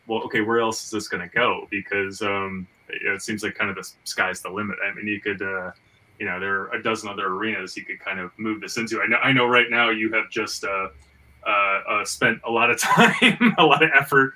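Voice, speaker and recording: A man's voice: fairly low pitch, pushed and bright. A man hosting a casual podcast discussion, talking in an enthusiastic, rambling way with repeated stammers, recorded at some distance from the mic. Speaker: podcast host and comic book writer.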